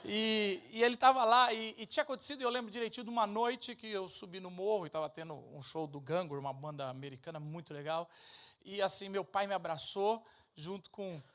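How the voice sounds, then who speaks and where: A middle-aged Brazilian man giving an informal sermon, telling personal stories in an animated, self-deprecating, conversational way. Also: high voice, a little fast. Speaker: speaker at a church event.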